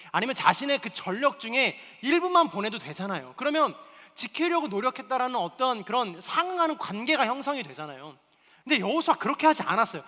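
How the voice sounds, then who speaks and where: Young male preacher, high bright tone, sermon with dynamic swings from loud to hushed, long hall reverb. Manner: swings from loud emphatic pleas to soft hushed asides. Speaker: pastor. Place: church hall.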